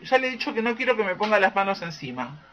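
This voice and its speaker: A woman's voice: medium pitch, big pitch swings, fast, close to an everyday voice. A woman acting a resentful young daughter who stands her ground, in an amateur radio play, with an Argentine accent. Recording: dull lo-fi recording.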